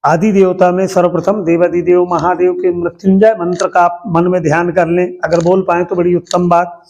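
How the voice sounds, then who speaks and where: A man leading a home fire ritual as priest, giving plain step-by-step instructions between slow, drawn-out chants. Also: high voice, little pitch movement, gravelly, a little mellow, lo-fi sound.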